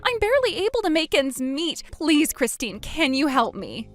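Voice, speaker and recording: Brief: woman voicing a frantic pleading sister-in-law, high-pitched, loud, storybook drama, faint music under. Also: sing-song, a little fast. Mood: begging. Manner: pleading, shrill, sobbing pleas.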